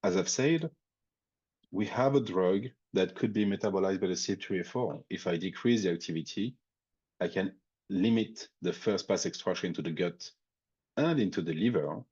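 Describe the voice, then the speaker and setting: Man, French accent, webinar presenter, very low voice, lo-fi sound. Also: normal speed, darkish tone, slightly rough. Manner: thinking aloud with frequent fillers and restarts. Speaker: industry expert presenting a webinar.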